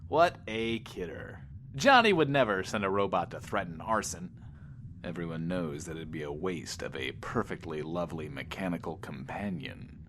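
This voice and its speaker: An actor playing a sleazy, wisecracking post-apocalyptic radio host in an audio drama, smug and flippant, speaking of himself in third person. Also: male voice, low-pitched, lively intonation, moderate pace, a bit bright, a little hiss or hum. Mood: breezy, mock-sincere. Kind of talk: in-world radio show patter, audio drama.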